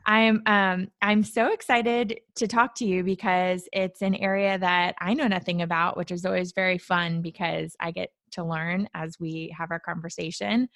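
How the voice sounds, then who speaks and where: With a lowish, fairly bright voice and fairly even intonation, this parenting podcast host opens with an upbeat scripted intro before turning to friendly conversation with her guest. She keeps a moderate pace and barely pauses.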